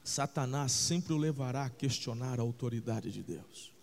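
A male pastor preaches at a moderate pace in a creaky voice, swinging between shouts and low, intense passages. He calls his listeners "brother" and checks that they're following, and a long reverb tail hangs on his words.

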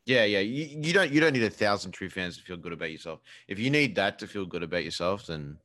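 A man's voice: deep voice, animated, fast, pushed and bright, dry recording. An Australian man with an Australian accent, chatting casually as a streamer guest in a blunt, sweary, laid-back way. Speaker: live streamer, interview guest. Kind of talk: casual chat. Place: living room.

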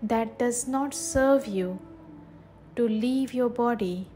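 A woman leading a guided meditation in a soothing, measured way, leaving long pauses between short phrases. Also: fairly high pitch, dark tone.

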